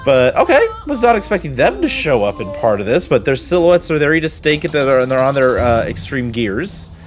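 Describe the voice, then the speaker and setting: A man's voice: mid-range voice, big pitch swings, a little fast, faint music behind. A man hosting a reaction video with casual, rambling, chatty commentary.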